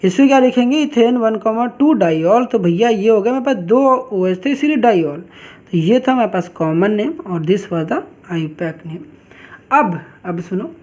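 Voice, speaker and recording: A woman's voice: medium pitch, a little mellow. Woman teaching chemistry, self-answering questions. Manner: asks questions and answers them herself, drawls key terms slowly. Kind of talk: online class lecture. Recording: dull lo-fi recording.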